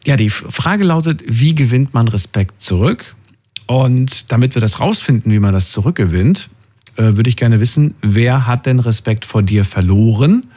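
Husky-voiced man probing a caller. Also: medium pitch, expressive, moderate pace, dark tone. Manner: probing, questions each answer. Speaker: radio call-in host. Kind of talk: call-in radio talk.

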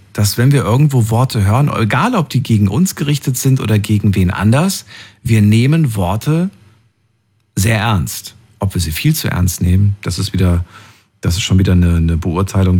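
A radio host in his studio with a low, somewhat husky voice. His intonation swings widely as he works through the listener polls and emails. He reads each result out clearly, one after another. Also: a little mellow. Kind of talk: late-night call-in radio show.

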